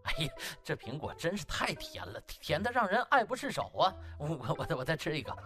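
A man's voice: a little high, very animated, a little fast, a bit bright. A man voicing a cheeky, shameless young slacker doctor in an audiobook, stammering and sniggering in mock apology.

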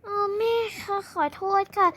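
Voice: measured pace, sharp tone, a little hiss or hum. A child voicing a polite, earnest older sister who speaks to her mother dutifully in a pretend play. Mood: apologetic. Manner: polite, earnest, uses polite endings.

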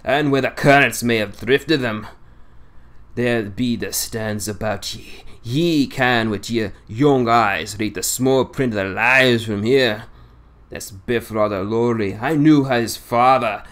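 Old sailor, scornful and grumbling, broad dialect, as an audiobook reader puts him on. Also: male voice, medium pitch, slow pace, a bit bright. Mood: reminiscing. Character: boastful grumbling old male Yorkshire seaman. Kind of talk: audiobook reading.

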